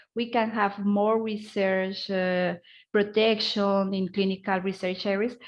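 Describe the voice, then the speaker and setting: A woman speaks with a Spanish accent. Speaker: panelist. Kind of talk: panel discussion. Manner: halting, many repetitions.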